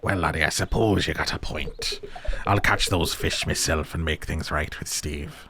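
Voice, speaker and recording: A hearty fisherman villager. His voice is extremely deep and his manner is warm and apologetic. A clear steady noise runs under the recording. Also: normal speed. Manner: hearty, apologetic, calls people laddie. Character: gruff Scottish male fisherman villager.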